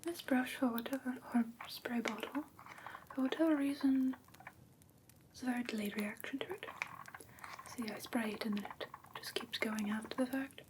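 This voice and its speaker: A woman playing a gentle vampire teacher, giving a patient lesson in a soft, breathy ASMR whisper. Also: on the high side, fairly even intonation, noisy background, natural voice. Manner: soft, patient, unhurried instructing. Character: female vampire teacher, gentle, instructing a human care class.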